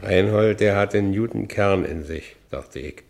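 Gullible Berlin ex-convict narrator for radio play; deepish voice, earthy Berlin accent, self-justifying. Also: male voice, unhurried, creaky, a little mellow. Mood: wry narrating. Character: Franz Bieberkopf, gullible working-class Berlin ex-convict narrating his life.

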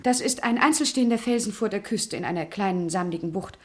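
A woman's voice: mid-range voice, expressive, fast talker, close to an everyday voice. An actress playing a poised female witness, polite, precise and coolly accusing, in a German radio crime drama. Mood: pointedly accusing.

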